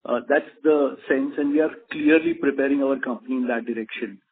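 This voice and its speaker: A man's voice: medium pitch, fairly even intonation, brisk. A man asking a question as an investor, hesitant and polite, circling around his point. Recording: noisy tinny phone line with clicks.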